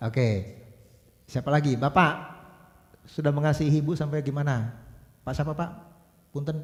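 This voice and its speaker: Lively, teasing preacher man in an echoing hall. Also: fairly high pitch, normal speed. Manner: playful, teasing, slangy, often laughing. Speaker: pastor. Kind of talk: lively, joking sermon with congregation banter. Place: large church hall. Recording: church hall with long reverb.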